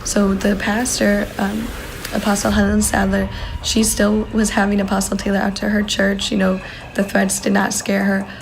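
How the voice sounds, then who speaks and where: A woman's voice: mid-range voice, monotone, normal speed, creaky, noisy background. A woman earnestly testifying about her father's actions, speaking in short accusing bursts. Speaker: witness describing her father. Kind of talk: testimony in an interview.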